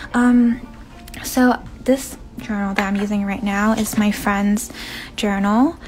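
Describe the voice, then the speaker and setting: Music plays behind a woman speaking at a fairly slow pace. Her voice is fairly high and her intonation fairly even. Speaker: artist and bullet journal creator. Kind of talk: live stream Q&A while painting. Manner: hesitant, with filler words. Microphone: phone near.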